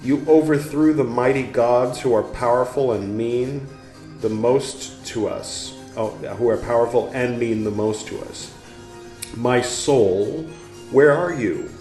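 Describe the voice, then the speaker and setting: A man hosting a show where he reads a book aloud, musing and pausing to talk back to the text in casual asides. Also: medium pitch. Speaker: podcast host reading aloud. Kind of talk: slow reading with casual asides. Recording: roomy room with faint background music. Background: soft instrumental music.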